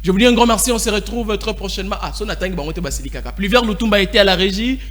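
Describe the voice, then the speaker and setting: A man with a Congolese accent hosting a TV debate show, mixing French and Lingala and briskly keeping speakers to time. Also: sits high, a bit bright. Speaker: talk show host.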